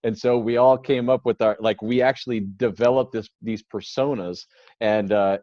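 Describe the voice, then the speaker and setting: A man's voice: medium pitch, steady tone, moderate pace, dry recording. A man hosting a casual podcast chat who tells long rambling stories, restarts often and laughs easily. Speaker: podcast host. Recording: dull lo-fi dry sound.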